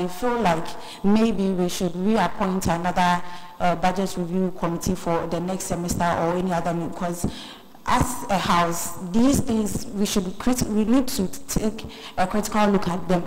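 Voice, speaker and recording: A woman's voice: on the low side, a little mellow, slight background noise, rough recording. A young woman with a Ghanaian English accent, speaking as deputy speaker in a student parliament, hesitant with many fillers. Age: young adult. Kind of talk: student parliament debate speech. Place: conference hall.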